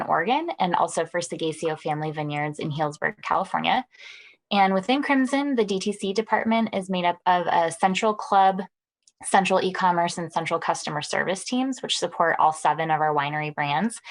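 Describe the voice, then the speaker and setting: A woman on a video call webinar panel, explaining her winery team in a clear, organized, businesslike way. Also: fairly low pitch, poor audio. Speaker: panelist, winery sales director.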